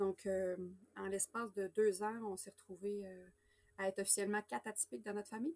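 In a Quebec accent, a woman speaks at medium pitch and a moderate pace, with fairly even intonation. Her long, frequent pauses sit in a dry, close sound with no echo. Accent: Québécois French. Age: 30s. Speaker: guest sharing personal experience. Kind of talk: casual interview. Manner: loud, talkative.

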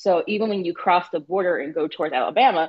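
A woman's medium-pitched voice with ordinary pitch variation, a normal speaking voice. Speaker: hiker. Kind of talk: casual chat.

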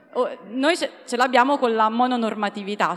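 A woman talks at a medium speed with normal pitch movement, while noticeable noise sounds in the background. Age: 30s. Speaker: podcast host. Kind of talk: casual chat.

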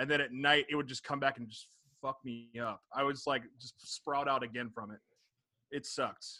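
A man with an American accent speaks at a moderate pace in a fairly high pitch, his tone bright and sharp and his intonation fairly even. His loudness swings widely, and the sound is dry and close with no echo. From Florida (Jacksonville). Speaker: bartender and software engineer. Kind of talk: casual chat.

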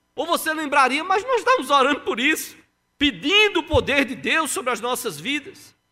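Here a man speaks in a raised, projected voice at an extremely high pitch, with a bright, sharp tone. His intonation is lively and his pace moderate. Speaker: pastor. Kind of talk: sermon, expository preaching from scripture, with direct address to the congregation. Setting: church, streamed online service. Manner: earnest, exhortative, building to emphatic repetition.

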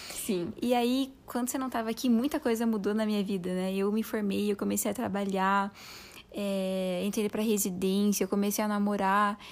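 The woman's voice sits at medium pitch with fairly even intonation, a normal speaking voice. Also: moderate pace. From southern Brazil, Paraná (Mandirituba). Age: 20s. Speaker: medical resident. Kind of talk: casual chat.

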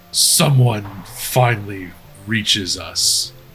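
Over music in the background, a man puts on a gravelly character voice at a medium pitch. He speaks at a very slow pace. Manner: ominous, infernal.

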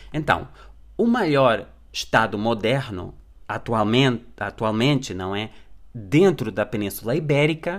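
Fairly slow, medium-pitched male speech with very wide swings in pitch. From Canary Islands, Spain. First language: Spanish (speaking Portuguese). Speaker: language teacher. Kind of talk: educational podcast lecture. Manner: halting, with frequent fillers.

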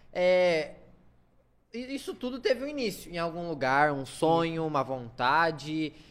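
This man has an unremarkable speaking voice set at a fairly high pitch. He talks at a fairly slow pace with lively intonation. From Londrina, Brazil. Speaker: podcast host. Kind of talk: casual interview chat.

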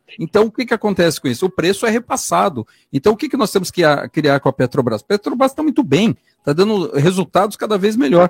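Here a man talks at a very fast pace with a high pitch and very wide pitch swings. The sound is dry and close, with no echo. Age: 50s. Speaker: businessman, port complex executive. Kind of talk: radio panel discussion.

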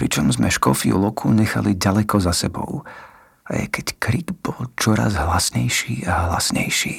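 In a menacing, dramatic tone, a man speaks with a very deep, low pitch. His pitch swings very widely. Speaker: true-crime narrator. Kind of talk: true-crime horror narration, first-person as a Nazi occupier. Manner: grim, slow, suspenseful, dramatic storytelling; cold, detached, menacing.

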